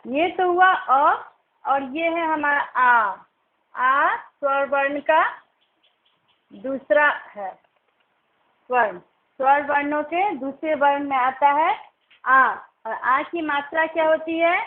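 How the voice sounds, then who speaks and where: A woman teaching young children, slowly and patiently sounding out syllables and simple words. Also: high-pitched. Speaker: primary school teacher. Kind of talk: recorded online class lesson. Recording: tinny phone-like recording.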